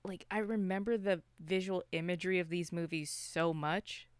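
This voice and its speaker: A woman with a low, smooth voice, recorded close and dry. She chats casually as a podcast co-host, rambling along in an informal, wry way. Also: steady tone, moderate pace, no room sound. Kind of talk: casual chat about movies.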